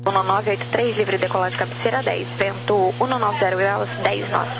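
A woman's voice: medium pitch, steady tone, moderate pace, creaky, over music, rough recording. A woman working as a tower controller, giving brief, courteous instructions in clipped phraseology over aviation radio. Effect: aviation radio transmission.

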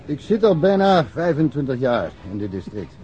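An actor playing a talkative, folksy middle-aged provincial police inspector in a naturalistic radio drama. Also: male voice, mid-range voice, big pitch swings, normal speed, mellow, faint music behind, lightly acted. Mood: chatty, impressed. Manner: talkative, colloquial, self-deprecating. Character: chatty, folksy provincial Swedish police inspector, long-serving local. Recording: muffled, noisy radio drama recording.

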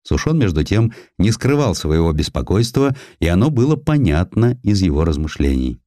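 A male narrator tells a historical story with a dramatic, expressive delivery. His voice is deep and very animated in pitch, and the sound is dry and close. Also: moderate pace, no room sound. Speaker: audiobook narrator.

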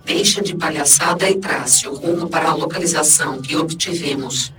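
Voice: medium pitch, normal speed, close to an everyday voice. An actor playing a stern, formal starship crew member in an audio drama. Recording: echoey, distant, music behind.

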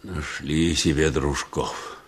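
A man's voice: very deep voice, fairly even intonation, slow, slightly rough, exaggerated voice. An actor playing an angry, bitter old peasant father in a Russian radio drama, scolding in a growl. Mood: bitter anger.

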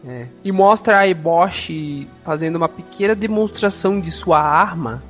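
Rambling Brazilian podcast host. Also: male voice, a little high, normal speed, a bit bright, soft background music. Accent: Brazilian Portuguese. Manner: rambling, many restarts, joking. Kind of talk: casual film discussion podcast.

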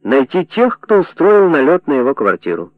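Насмешливый советский чиновник, голос чтеца, сухо и узко как в телефоне. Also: male voice, on the high side, big pitch swings, normal speed, no echo, voice pushed up. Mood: wry. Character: Soviet official, wry and confident. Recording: dry narrow phone-like sound.

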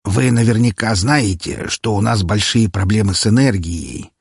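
A man voicing an elderly, courteous Chinese chancellor who speaks calmly and formally. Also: lowish voice, moderate pace, slightly rough, no echo, studio quality. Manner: ceremonious, formal, calm.

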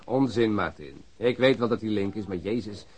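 Low-voiced, stubborn policeman. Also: moderate pace, a little mellow, breathy edge. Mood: casual, stubborn. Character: easygoing, stubborn policeman who dislikes guns. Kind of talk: naturalistic Dutch radio drama acting.

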